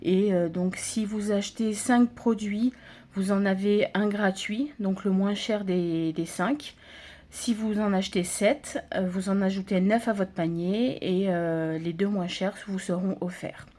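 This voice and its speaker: A woman's voice: mid-range voice, a little slow, dark tone. A woman from France narrating an unboxing of cross-stitch kits in a casual, hesitant way, with many fillers and restarts. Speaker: craft vlogger.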